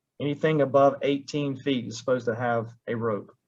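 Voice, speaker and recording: A man with a Southern US accent, medium pitch and fairly even intonation. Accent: Southern drawl. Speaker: ladder safety trainer. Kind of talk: webinar presentation and Q&A. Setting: online webinar.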